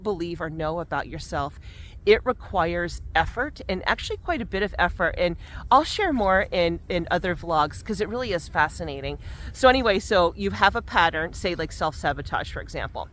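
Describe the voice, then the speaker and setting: A woman's voice: fairly low pitch, fairly bright tone. A woman talking casually while walking outdoors in cold, windy weather, her lips numb from the cold, chatty and reflective about self-help ideas, often restarting her sentences. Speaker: vlogger.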